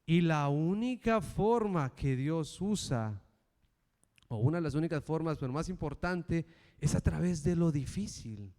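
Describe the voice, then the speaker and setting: A middle-aged male preacher giving a sermon and telling a personal story with animated, acted-out voices. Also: on the high side, unhurried. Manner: animated storytelling, acting out the characters. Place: church. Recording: reverberant church hall.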